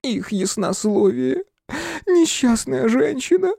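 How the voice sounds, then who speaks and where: A man voicing an excitable, fervent male helper to a fortune-teller, who talks in shrill, pleading outbursts. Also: moderate pace, creaky, dry recording, clean studio sound.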